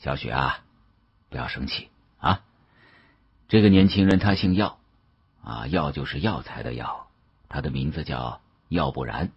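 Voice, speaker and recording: A man voicing a gentle, placating elderly male professor in an audiobook. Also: extremely low pitch, expressive, a little slow, creaky, pauses often, breathy edge, no room sound, voice pushed down, exaggerated voice. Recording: dull, muffled audio.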